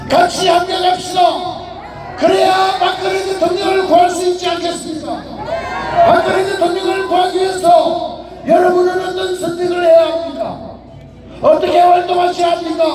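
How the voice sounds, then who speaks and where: A man giving an impassioned political rally speech as its leader, shouting in an emphatic, declamatory way. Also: extremely high pitch, background noise. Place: outdoor street rally in front of a detention center. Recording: echoing loudspeaker outdoors, distant, crowd and music. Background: crowd and music.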